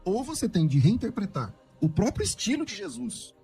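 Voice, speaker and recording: A man's voice: high voice, sing-song, moderate pace, warm tone, faint music behind. A Brazilian man, a pastor, arguing a point of scripture in a radio debate, emphatic and repeating himself as he builds his case. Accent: Brazilian Portuguese.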